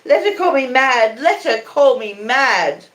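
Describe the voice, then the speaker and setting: Anguished old lady, high-pitched wailing, melodramatic, possessive, storybook drama, roomy echo. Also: lively intonation, fairly bright tone. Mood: wild anguish. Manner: moaning, shrieking, drawn-out repeated pleas. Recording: echoey conservatory.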